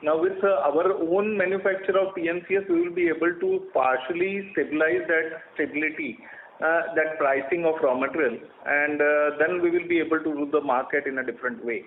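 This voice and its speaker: Indian executive on an echoey phone line. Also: male voice, a little high, fairly quick, a little hiss or hum. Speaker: company executive answering analysts' questions. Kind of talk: earnings call question and answer. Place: conference call over a phone line.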